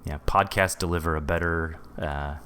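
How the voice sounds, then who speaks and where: A man's voice: very deep voice, steady tone, moderate pace, sharp tone, smooth. A man from a podcast team chatting casually in a group interview, rephrasing as he goes.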